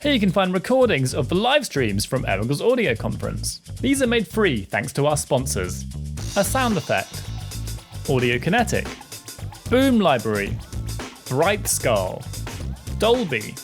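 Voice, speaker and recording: An announcer reads a scripted intro and a sponsor list at an unhurried pace. The pitch moves a lot, and clear music plays under the voice. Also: huge pitch swings. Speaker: channel announcer.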